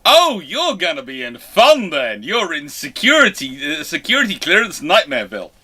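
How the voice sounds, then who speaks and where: A man's voice: a little high, very animated, normal speed, bright, forceful tone. A man hosting a live question-and-answer stream, talking in a chatty, rambling way. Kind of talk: casual live Q&A chat.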